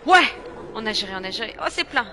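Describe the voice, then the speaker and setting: A young woman from France playing a horror game and commenting casually, chatty and excitable, swinging from shrieks to low mutters. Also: fast talker, slight background noise. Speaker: gaming streamer. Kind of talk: casual let's-play commentary.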